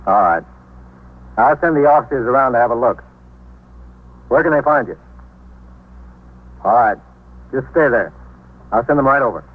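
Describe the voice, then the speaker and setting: A brisk, businesslike desk sergeant fires off short questions into the phone. His voice is mid-pitched. It comes through a thin, tinny 1950s radio broadcast. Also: lively intonation, slightly rough.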